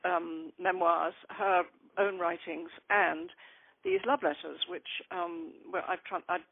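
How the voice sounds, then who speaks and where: An older woman author talking about her novel in an interview, thoughtful and rambling with many pauses and ums. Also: lowish voice, dry recording. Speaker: author guest. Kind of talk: conversational interview. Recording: tinny phone-like line.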